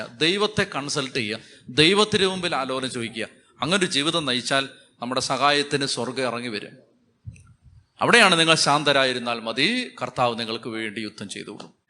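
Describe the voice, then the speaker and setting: A man's voice: a little high, bright, forceful tone. A man with a Malayali accent, a Catholic priest preaching a sermon with emphatic, repeating phrases.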